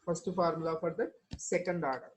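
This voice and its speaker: A woman's voice: low voice, brisk, a little hiss or hum. A woman with a South Asian accent teaching a lesson, going through formulas step by step and prompting students with questions. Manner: addresses students with prompting questions and tag words. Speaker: chemistry teacher.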